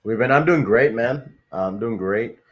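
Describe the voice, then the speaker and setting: Through a muffled recording, a young Canadian man with a medium-pitched voice speaks a little slowly on his casual crypto livestream. He answers viewer comments in an upbeat, rambling way, full of fillers and repeated phrases.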